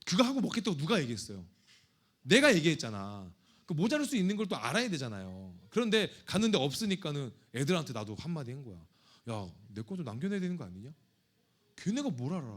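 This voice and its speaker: Male pastor, casual sermon, jokes and confessions, fairly high voice, animated pitch. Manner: conversational, joking, confessional. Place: church sanctuary.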